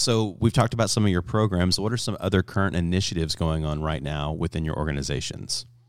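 A man speaks fairly quickly in a very deep, low pitch with vocal fry and lively intonation. The recording is very clean with a silent background. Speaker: podcast host. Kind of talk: casual interview.

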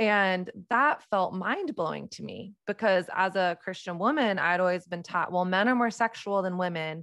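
A woman with an American accent and an ordinary speaking voice talks at a moderate pace and medium pitch, with ordinary pitch variation and hardly any pauses. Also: quiet background. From Texas, Dallas. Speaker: author and podcast host. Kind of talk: interview.

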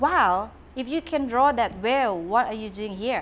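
With a Thai accent, a woman speaks at a fairly slow pace in a fairly high voice. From southern Thailand (Trang). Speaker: interior designer. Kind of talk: casual interview chat.

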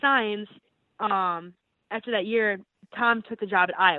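Her voice, a woman's, rests at medium pitch and rises and falls with ordinary pitch variation. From Michigan. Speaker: wrestler. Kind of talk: casual interview.

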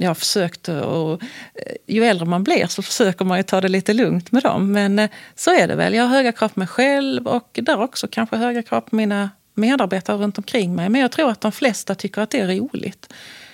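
A woman's medium-pitched voice, an ordinary speaking voice, fairly quick with lively intonation and a dry, close sound with no echo. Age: 40s. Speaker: care sector manager. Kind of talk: casual interview. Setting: studio.

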